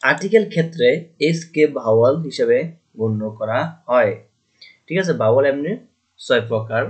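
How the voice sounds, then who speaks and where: Man, grammar teacher, asks and answers his own questions, mid pitch. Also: expressive, moderate pace. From Bangladesh. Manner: asks questions and answers them himself, repeats key points. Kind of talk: classroom grammar lesson.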